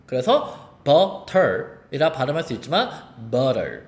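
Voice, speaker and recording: Male online teacher, fairly high and very animated, pronunciation lesson, roomy echo. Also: normal speed. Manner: lively, explains and demonstrates sounds. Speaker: English teacher.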